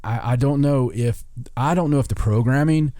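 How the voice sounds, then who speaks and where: A man's voice: medium pitch, normal speed, mellow, dry recording, clean studio sound. A man co-hosting a podcast in casual banter, irreverent and rambling, with mild swearing. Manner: irreverent, rambling, mildly profane. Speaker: podcast co-host. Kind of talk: casual paranormal talk show banter.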